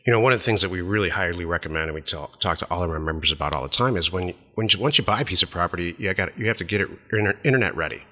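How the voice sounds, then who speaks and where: A middle-aged American man co-hosting a podcast, giving blunt, opinionated business advice in a casual, husky voice. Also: low voice, racing, hardly any pauses, pushed and bright, in a large hall. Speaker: podcast co-host.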